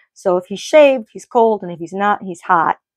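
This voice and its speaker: Heard over a quiet background, a plain, everyday voice with ordinary pitch variation comes through dry and close, without echo. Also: woman. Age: 50s. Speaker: knitting podcaster. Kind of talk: casual chat. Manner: rambling with frequent fillers.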